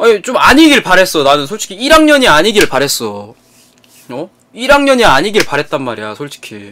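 A man's raised, projected voice at a high pitch, animated in tone, at a moderate pace, with very wide pitch swings, big swings in loudness and light background noise. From South Korea. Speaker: streamer. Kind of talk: casual storytelling. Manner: repetitive. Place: home room. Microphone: studio mic.

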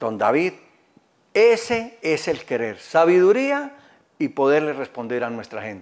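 Against a quiet background, a man talks at a fairly slow pace with long, frequent pauses, fairly high pitch and very wide pitch swings. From Colombia, Santander (El Páramo); Santander, Colombia. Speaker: cultural center director; guest. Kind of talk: TV interview. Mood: friendly, smiling. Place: studio. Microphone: lapel.

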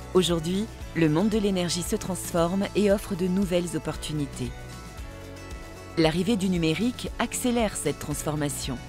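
Clear music plays behind a woman speaking at a fairly low pitch and a moderate pace, with ordinary pitch variation. She pauses often and at length, and the sound is dry with no echo. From France. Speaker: voice actor. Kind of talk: corporate narration. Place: booth. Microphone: studio mic.

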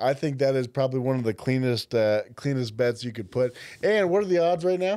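Against a quiet background, a man speaks at a fairly quick pace with medium pitch. His tone is dark and mellow, with lively intonation. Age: 30s. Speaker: podcast co-host, casual fan; podcast co-host. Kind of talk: casual chat. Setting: studio. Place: studio. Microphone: studio mic.

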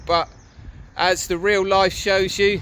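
A man's bright, sharp tone at a fairly slow pace, dry with no echo, over light background noise. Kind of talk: casual vlog chat. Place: garden. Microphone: phone near.

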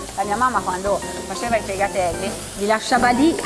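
A woman talks at a moderate pace over clear background music. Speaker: TV host. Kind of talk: TV cooking show presenting. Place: studio. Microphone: lapel.

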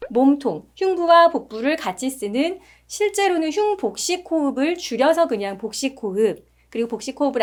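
The recording is very clean, with a silent background. A woman speaks at a moderate pace in a high voice with very wide pitch swings. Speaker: voice and speech coach. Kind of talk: tutorial. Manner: calm, measured instruction.

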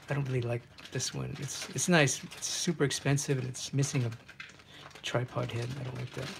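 Over noticeable background noise, a man talks at a fairly quick pace with an American accent. His pitch is medium and his intonation fairly even. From US South, Florida (Pinellas Park). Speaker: poster artist and art instructor. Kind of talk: live-streamed drawing tutorial. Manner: halting, many fillers.

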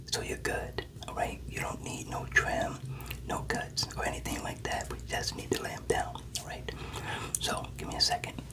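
A man whispers. His pace is moderate. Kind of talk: casual role-play talk to camera. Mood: warm, encouraging. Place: home room.

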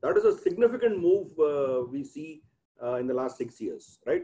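A man with an Indian accent. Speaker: moderator. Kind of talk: panel moderation. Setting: video call. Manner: hesitant, many fillers. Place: home room. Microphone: earbuds.

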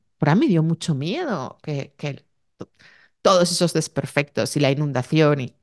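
A woman's fairly low pitch over a quiet background. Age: 40s. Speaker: spiritual teacher. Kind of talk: spiritual talk. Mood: calm, heartfelt. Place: home room. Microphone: studio mic.

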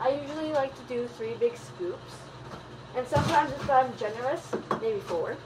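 Speech at a moderate pace with ordinary pitch variation under loud background noise. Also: woman. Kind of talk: casual tutorial. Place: shop. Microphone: camera far.

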